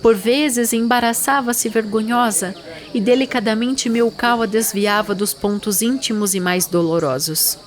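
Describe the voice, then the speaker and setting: A woman narrating a literary story for an audio drama in a measured, solemn way. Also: a little high.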